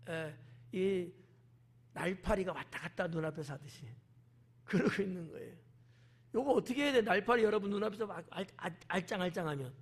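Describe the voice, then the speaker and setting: Middle-aged man, pastor, high-pitched voice, chatty sermon with acted-out quotes. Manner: conversational preaching with acted quotations.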